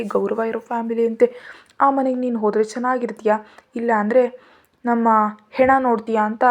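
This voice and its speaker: A woman's voice: on the high side, darkish tone. A woman voicing a heartbroken young woman who is crying and despairing, in an audio story. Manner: despairing, self-pitying.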